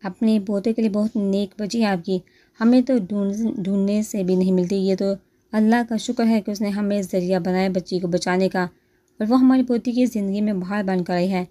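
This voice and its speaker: A woman's voice: medium pitch, steady tone, warm tone, close to an everyday voice. Woman reading as a gracious elderly grandfather. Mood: gently chiding. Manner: formal, courteous.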